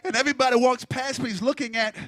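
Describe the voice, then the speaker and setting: Man, preacher, pulpit microphone, very high voice, dry close sound, fervent sermon. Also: fairly even intonation, fast, sharp tone, dry recording. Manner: preaching with rising fervor and asides teasing the congregation.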